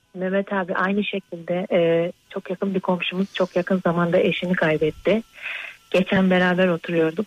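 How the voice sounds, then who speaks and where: A woman speaks at a moderate pace in a medium pitch with monotone, flat intonation, recorded in a dry, close sound with no echo over noticeable background noise. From Kayseri, Turkey. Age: 30s. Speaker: caller, widow. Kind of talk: emotional phone call to radio show.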